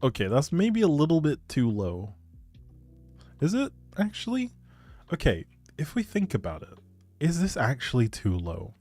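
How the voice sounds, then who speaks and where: A game streamer with a medium-pitched, dark-toned voice chats casually with his viewers. He muses aloud as he plays a life-simulation game on the livestream.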